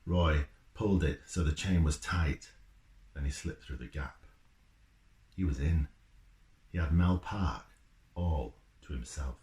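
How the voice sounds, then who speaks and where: A man's voice: a bass voice, slow, long pauses, warm tone. A man who writes children's books, talking informally and reading a story aloud. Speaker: children's football author. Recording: roomy, echoey indoor sound.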